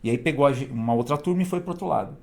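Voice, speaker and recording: Fast-talking man telling stories. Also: medium pitch, creaky. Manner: animated, laughing storyteller. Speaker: guest. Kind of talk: casual storytelling.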